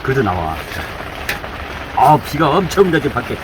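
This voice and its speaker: A man's voice: medium pitch, very animated, normal speed. Man chanting cooking steps over rain. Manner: repetitive running commentary while working, chanting instructions. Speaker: cooking channel host. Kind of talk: hands-on cooking demonstration. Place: indoors with downpour outside. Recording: heavy rain noise behind the voice.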